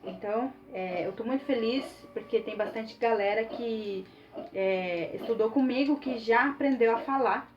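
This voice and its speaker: A woman's voice: fairly high pitch, moderate pace. Chatty teacher woman, lo-fi. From Mato Grosso do Sul, Brazil. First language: Guarani. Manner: chatty, many fillers, encouraging. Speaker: Guarani language teacher. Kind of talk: casual online language lesson. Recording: dull lo-fi sound with faint music.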